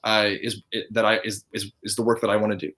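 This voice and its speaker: A man's voice: lowish voice, flat delivery, fast talker, a bit bright, slight background noise. A man from Canada, a guest on a casual video chat, talking earnestly and stopping to search for words.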